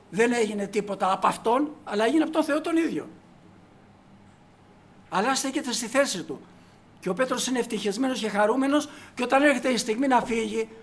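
A man preaching a sermon to his congregation, emphatic, swinging from quiet asides to loud declarations. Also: very high-pitched. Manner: addresses the congregation as brothers.

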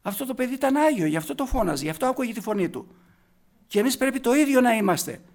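A man with a notably high-pitched voice preaches a sermon. He speaks with emphasis and keeps putting rhetorical questions to his listeners. He drops to quiet, slow passages to stress key words, then rises into loud, forceful bursts. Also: expressive.

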